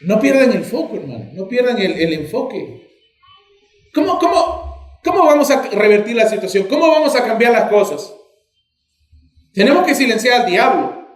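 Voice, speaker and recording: A man with a Peruvian accent preaching a sermon as pastor, lively and acting out little dialogues as he talks. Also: very high-pitched, normal speed, pauses often. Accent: Peruvian Spanish. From Peru. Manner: animated, acts out dialogues with shifting voices. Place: church sanctuary. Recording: echoey church hall.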